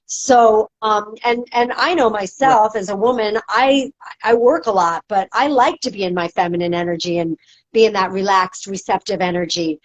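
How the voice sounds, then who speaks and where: A woman who works as a movement and dance instructor appears as a podcast guest, speaking at medium pitch and normal speed. Her talk is casual, full of fillers and restarts. The audio is dull and lo-fi.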